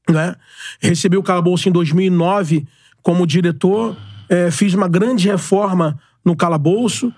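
A man's voice: high voice, darkish tone, dry recording, clean studio sound. A man, a guest in a podcast interview who talks earnestly and repeats his points. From Brazil. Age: 40s. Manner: earnest, repeats himself, speaks in slogans. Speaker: guest, club presidential candidate.

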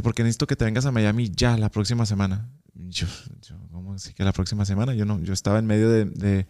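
Young Mexican man, casual interview guest, lively storyteller who acts out quoted lines. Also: lowish voice. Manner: animated, acts out quoted dialogue.

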